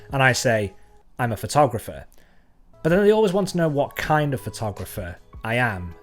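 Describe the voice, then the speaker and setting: A man at a middling pitch talks through his thoughts as a photographer, in an easy, musing way. Soft music plays faintly behind him. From North Wales. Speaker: photographer and channel host. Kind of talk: reflective talk to camera.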